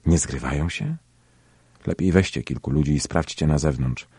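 A man's voice: extremely low pitch, normal speed, dark tone, husky, dry recording, exaggerated voice. A man voicing a suspicious middle-aged police lieutenant in an audiobook story, asking curt, demanding questions.

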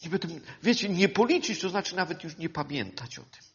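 A man preaching a sermon, swinging between loud fervent passages and hushed quiet ones, often calling his listeners dear ones. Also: high-pitched, expressive, fairly quick. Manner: addresses listeners as "kochani". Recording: dull lo-fi sound.

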